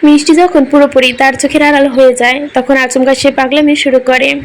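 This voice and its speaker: A woman storyteller reading a romantic drama aloud with emotional, melodramatic weight. Her voice sits high, and a faint hum of room ambience runs beneath. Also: little pitch movement, a little fast. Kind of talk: scripted narration of a romantic story.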